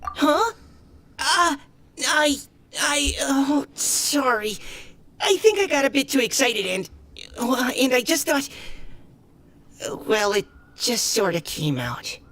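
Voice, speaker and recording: A woman's voice: sits high, animated, takes it slowly, long pauses, a bit bright, dry recording, exaggerated voice. A woman voicing an earnest, eager young male mapmaker who speaks sincerely and encouragingly in video game dialogue. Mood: flustered.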